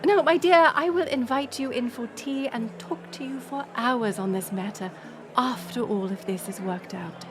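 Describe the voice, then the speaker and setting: A woman playing a gracious, resolute middle-aged queen in an audio roleplay, speaking in formal, stately, measured phrases. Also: fairly high pitch, a little hiss or hum, natural voice. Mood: kindly, commanding. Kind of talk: scripted audio roleplay acting.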